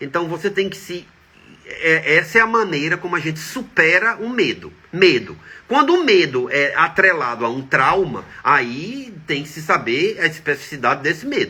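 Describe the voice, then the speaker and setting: At a moderate pace, a man speaks in a high, bright, sharp voice with lively intonation and big swings in loudness. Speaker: spiritist teacher. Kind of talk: live Q&A talk. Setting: Instagram live stream.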